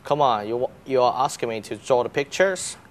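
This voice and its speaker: A man's voice: medium pitch, expressive, fairly quick. Chatty young man, slight noise. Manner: chatty, laughs, uses fillers. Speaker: student guest. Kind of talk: casual interview answers. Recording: faint background noise.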